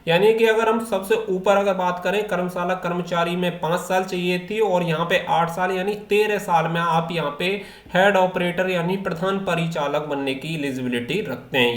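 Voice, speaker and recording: A man presenting an informal educational explainer, reading out official rules and then restating them step by step in a repetitive way. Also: high-pitched. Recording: echoey, reverberant room.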